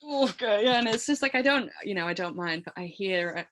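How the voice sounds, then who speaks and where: A woman in her thirties with an English accent and a low, smoky voice, talking casually and animatedly as an interview guest, laughing often and filling with "like". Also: expressive, normal speed, a bit bright. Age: 30s. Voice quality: low voice from years of smoking. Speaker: musician guest.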